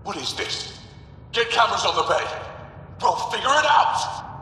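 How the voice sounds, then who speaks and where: Booming, echoing, menacing pirate boss. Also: male voice, sing-song, normal speed, bright, forceful tone, slight background noise, heavily acted. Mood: furious. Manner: barking, threatening. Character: menacing, short-tempered male space pirate boss. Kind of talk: video game cutscene dialogue.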